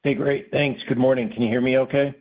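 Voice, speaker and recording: A man's voice: mid-range voice, level tone, fast. A male financial analyst phones in, asking a spontaneous question with hesitant, informal phrasing. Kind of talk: spontaneous question on earnings call. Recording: narrow tinny phone line.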